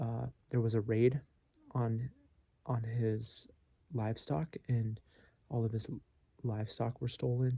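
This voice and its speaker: A man speaks quietly and somewhat breathily, with a dark, mellow tone and fairly even intonation. His pace is fairly slow, broken by long, frequent pauses. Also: medium pitch for a man. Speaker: bible teacher. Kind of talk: casual bible talk. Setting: quiet place. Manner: quiet, kept voice down; halting, many fillers.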